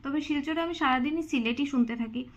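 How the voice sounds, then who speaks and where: A woman's voice: high voice, fairly quick, lo-fi sound. A young woman from Silchar in India, speaking Bengali with a Sylheti tone, chatting casually to her viewers and often checking in with them. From Silchar, Assam, India. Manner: chatty, keeps asking "okay?". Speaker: vlogger. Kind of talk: casual chat to camera.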